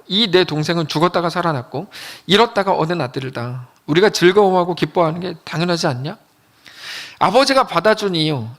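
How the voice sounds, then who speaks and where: A man preaching a sermon as a pastor, telling the story with lively storytelling and acting out the quoted lines in a lower voice. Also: creaky.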